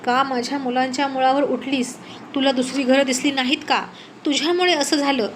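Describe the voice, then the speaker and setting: A fiercely protective village mother lashes out in hard, pointed questions in a spoken storybook, as a woman narrator puts her on. Her voice sits high and presses each word. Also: fairly even intonation, brisk, slight background noise, close to an everyday voice. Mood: furious.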